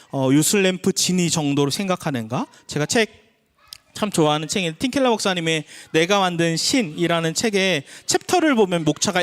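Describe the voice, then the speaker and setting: Lively-voiced male pastor preaching. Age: 30s. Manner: conversational preaching, acts out quoted voices with shifts in pitch. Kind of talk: sermon. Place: church sanctuary.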